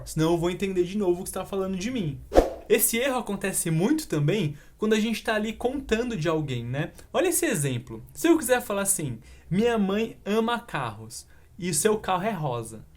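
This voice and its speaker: A young Brazilian man with a Brazilian Portuguese accent, giving an online English lesson and slowing down for the English examples. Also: high voice. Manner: animated explaining, slows down for English examples. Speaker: English teacher.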